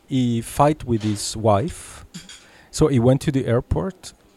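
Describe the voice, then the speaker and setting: Recorded dry and close with no echo, a man with a dark, mellow tone speaks at a very slow pace, medium pitch and ordinary pitch variation. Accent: Italian. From Sardinia, Italy, partly raised in Switzerland. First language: Italian. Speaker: pop art painter. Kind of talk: casual chat. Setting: outdoor street cafe. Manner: halting.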